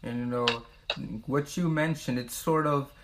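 A man interviewing a guest, asking a question slowly and carefully. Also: fairly high pitch, fairly even intonation, noisy background.

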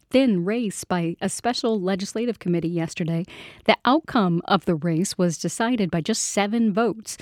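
A woman anchoring local radio news, reading scripted stories in a measured, factual delivery. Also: medium pitch, a little mellow, no echo, studio quality.

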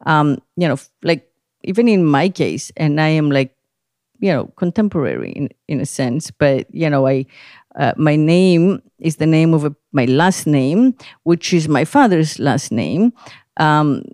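A woman's voice: low-pitched, expressive, measured pace, darkish tone, no echo. Middle aged woman from greece hosting a podcast, rambly and chatty with lots of ums and laughs, dry sound. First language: Greek. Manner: rambling, many fillers, laughs often. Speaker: podcast host. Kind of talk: casual conversation.

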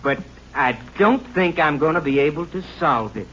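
High, animated crooked constable played by a man. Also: normal speed, lightly acted. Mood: scheming, domineering. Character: crooked, scheming small-town constable, defiant and bullying. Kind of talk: 1950s radio drama acting. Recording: dull, noisy 1950s radio recording.

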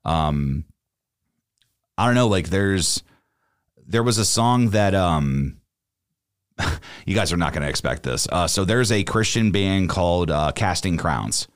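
A young man with a very low, deep voice co-hosts a casual podcast. He rambles, restarting his sentences and filling the gaps with "like" and "um". The sound is dry and close, with no room around it. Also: lively intonation, takes it slowly, long pauses, no room sound. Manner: rambling, many fillers and restarts. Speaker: podcast co-host.

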